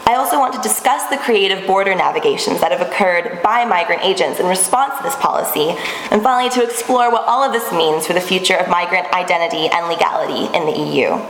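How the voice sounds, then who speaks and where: A woman in her twenties giving a measured academic presentation to a panel in a small seminar room. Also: lowish voice, fairly bright tone. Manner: clear, measured lecturing with occasional restarts. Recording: echoey room with long reverb, faint background noise.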